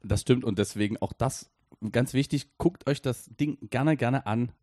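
A man's voice: mid-range voice, moderate pace, a little mellow, no echo, clean studio sound. A man from Dresden in his thirties, co-hosting a casual podcast chat in a rambling, hesitant way full of fillers and restarts. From Dresden, Germany. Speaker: podcast co-host and editor.

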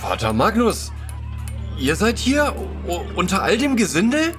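An actor playing a pompous, bullying town bailiff in a German radio play, prone to stammering when challenged. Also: male voice, sits high, wildly swooping pitch, a little slow, a bit bright, faint music behind, heavily acted. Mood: flustered, defensive.

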